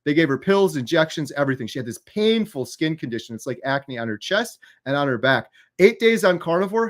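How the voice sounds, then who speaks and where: Animated man hosting a livestream. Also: fairly high pitch. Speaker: host. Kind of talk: casual livestream chat.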